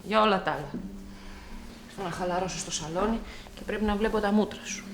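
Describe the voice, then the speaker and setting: A woman's voice: medium pitch, background noise, close to an everyday voice. An actress playing a tired, irritable middle-aged mother who talks in snappy, exasperated bursts in a TV drama. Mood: irritated. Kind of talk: TV drama acting.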